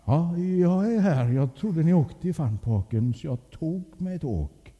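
A man voicing a laid-back, self-satisfied father in a told story, drawing his words out slowly. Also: a little high, expressive, dull audio, lightly acted. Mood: innocent. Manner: slow, drawn-out, a bit innocent. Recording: long hall reverb.

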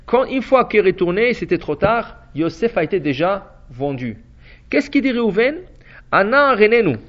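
A man teaching a Torah class in a high voice, animated as he tells the story. He asks questions and answers them himself, often stopping to restart a phrase. The recording sounds dull and lo-fi. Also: normal speed. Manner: hesitant restarts.

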